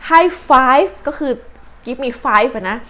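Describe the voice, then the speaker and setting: Chatty Thai woman vlogger, fairly high voice. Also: animated, very slow, a bit bright, a little hiss or hum. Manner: chatty, uses many fillers and polite particles. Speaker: channel host, astrology and advice vlogger. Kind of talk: casual chatty explainer, translating tips.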